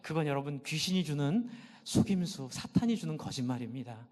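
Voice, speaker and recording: A middle-aged male pastor preaches with fervor, his voice pitched high. He throws questions out to the congregation and answers them himself. His voice rings through a church sanctuary with a long, trailing reverb. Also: expressive, brisk, a little mellow. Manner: impassioned, asks and answers own questions. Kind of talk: sermon.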